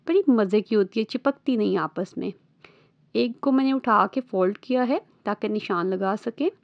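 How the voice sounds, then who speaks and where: A woman's voice: mid-range voice, creaky, no echo, muffled recording. Woman, Lahori accent, patient step-by-step cooking host, close dry voice-over. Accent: Lahori Urdu-Punjabi. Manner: patient step-by-step instructing, often checking in with listeners. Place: voice-over recorded apart from the kitchen footage.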